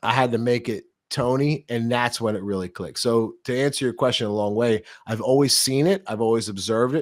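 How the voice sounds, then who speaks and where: A man with an ordinary speaking voice talks at a fairly quick pace, his medium pitch showing ordinary variation, on a very clean recording with a silent background. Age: 40s. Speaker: sales strategist and speaker. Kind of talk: interview conversation.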